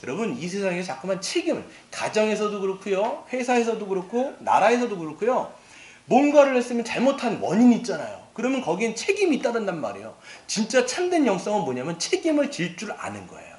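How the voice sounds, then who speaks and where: A middle-aged male pastor preaching a sermon in an animated way, acting out quoted lines and asking the congregation questions. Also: high-pitched, quick pace. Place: church sanctuary. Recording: echoey church hall.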